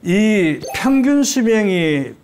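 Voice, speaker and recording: Older man, guest expert lecture, rhetorical questions, fairly high voice, very animated pitch. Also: takes it slowly, slight background noise. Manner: poses rhetorical questions then answers them; lively, emphatic teacherly delivery. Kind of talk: explanatory lecture on a talk show.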